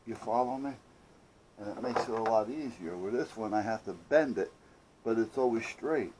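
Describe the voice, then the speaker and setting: Guy with a lowish voice puttering in his workshop, rambling to himself, bit of background noise. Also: normal speed. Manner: rambling, muttering to himself, playful asides. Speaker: hobbyist maker hosting own workshop videos. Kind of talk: casual hands-on project chat.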